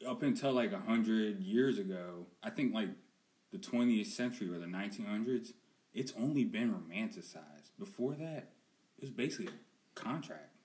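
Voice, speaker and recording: A man's voice: lowish voice, lively intonation, moderate pace, darkish tone, rough recording. A young man co-hosting a podcast in casual chat, working through his points with lots of "like" and "you know". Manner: musing, rambling explanations with many fillers. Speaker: podcast co-host.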